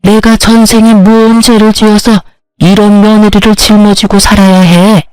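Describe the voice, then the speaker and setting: A woman's voice: medium pitch, level tone, normal speed, a little mellow, smooth, dry recording, soft background music, natural voice. Woman doing a harsh scolding older mother-in-law. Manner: berating, insulting, accusatory.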